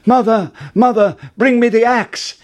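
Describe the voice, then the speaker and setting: A man's voice: sits high, lively intonation, slow pace, voice pushed up, full character voice. A man voicing an eager young boy hero in a fairy tale reading. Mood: urgent.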